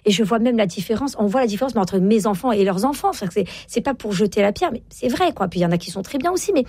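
Fast-talking, husky woman in her forties. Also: medium pitch, lively intonation, darkish tone, no echo. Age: 40s. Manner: fast, emphatic, many fillers and repeated agreements. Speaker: author and child psychologist, guest. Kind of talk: interview conversation.

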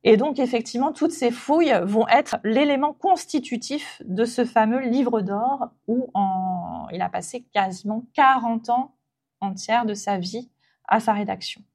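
A woman's voice: on the high side, a little mellow. Hesitant woman guide, filler-heavy. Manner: hesitant, frequent filler pauses. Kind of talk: spontaneous guided presentation.

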